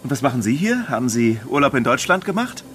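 An actor playing an obliging, chatty German stranger in a radio drama. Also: male voice, mid-range voice, very animated, fast talker, a bit bright, slight background noise.

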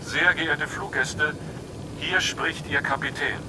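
A captain talking over the cabin speaker, calm and formal, kinda high, engine rumble behind. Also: male voice, takes it slowly. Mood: reassuring. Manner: formal, smooth announcer delivery. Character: calm male airline captain addressing passengers. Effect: cabin loudspeaker announcement. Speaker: airline captain.

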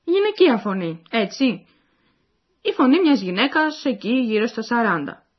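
A woman's voice: fairly high pitch, big pitch swings, breathy edge. A woman reading the scripted narration of a language course, explaining and addressing the listeners. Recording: dull lo-fi recording.

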